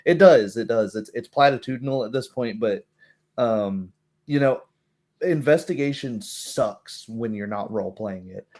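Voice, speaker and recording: A man's voice: mid-range voice, measured pace, a little mellow. A man chatting casually about tabletop games, acting out little asides as he explains. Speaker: tabletop roleplay show host.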